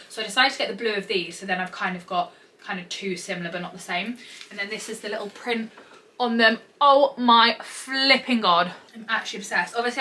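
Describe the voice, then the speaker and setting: A woman's voice: mid-range voice, bright, forceful tone. A British woman in her twenties chatting casually to camera in a bubbly, gushing, girly way, as a vlogger. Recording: distant mic, faint background noise.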